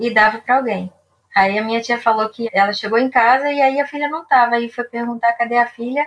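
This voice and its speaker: Her pitch high and her intonation fairly even, a woman talks at a very fast pace. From Paraíba, northeast Brazil. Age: 40s. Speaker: author recounting her adoption story. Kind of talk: personal testimony interview.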